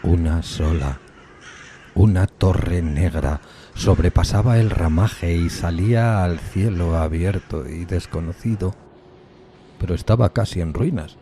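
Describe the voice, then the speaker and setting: An actor playing a tormented, solitary outcast in a gothic horror audiodrama, speaking in a brooding, solemn, halting dramatic way. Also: male voice, low-pitched, mellow, slight background noise. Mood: haunted dread. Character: tormented solitary outcast man recalling a decayed gothic castle. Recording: music bed behind the voice.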